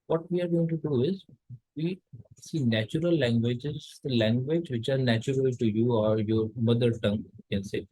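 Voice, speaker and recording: A man's voice: mid-range voice, normal speed, warm tone, no echo, rough recording. A man from India giving a recorded college lecture, explaining step by step with frequent fillers and restarts.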